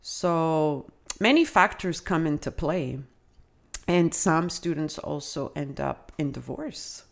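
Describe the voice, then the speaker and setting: A middle-aged woman, an adult educator, answering interview questions in a reflective, measured way with frequent fillers. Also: deep voice, animated, gravelly. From Canada. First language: Italian.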